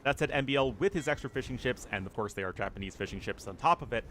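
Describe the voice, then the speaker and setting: A man's voice: mid-range voice, expressive, quick pace, fairly bright tone, a little hiss or hum. A man giving casual live commentary on a strategy game match while answering chat questions, chatty and thinking aloud. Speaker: streamer and caster.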